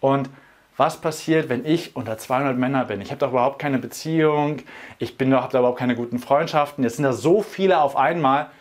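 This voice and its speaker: A man who runs men's workshops, talking straight to camera in an energetic, persuasive, colloquial way. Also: medium pitch, fairly quick. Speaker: workshop organizer. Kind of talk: direct-to-camera promotional talk.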